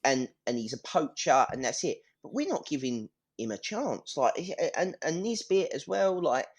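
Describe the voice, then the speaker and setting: A man's voice: a little high, sing-song, normal speed. A man talks football in a casual, ranting way. He is blunt and swears freely, like a supporter having his say on a fan podcast.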